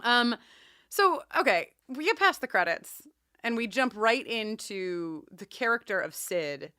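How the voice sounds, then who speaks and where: A woman co-hosting a podcast, chatting casually about a TV show in a wry, animated way and often interrupting herself. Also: fairly high pitch, a little slow, smooth, dry recording, clean studio sound. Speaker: podcast co-host.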